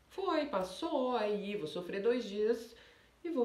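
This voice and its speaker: Noticeable background noise and audible room echo accompany a woman talking. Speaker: psychologist. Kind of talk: vlog talk on psychology. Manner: animated.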